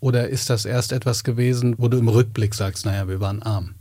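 A man's voice: medium pitch, steady tone, fairly quick, dark tone, no echo. A man as host of an interview talk, with an ordinary mid-range voice and a dry recording. He asks long, winding questions and engages closely with his guest.

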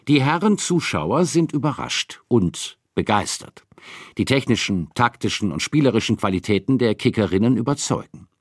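A man's voice: lowish voice, dry recording, studio quality. A man reading scripted documentary narration.

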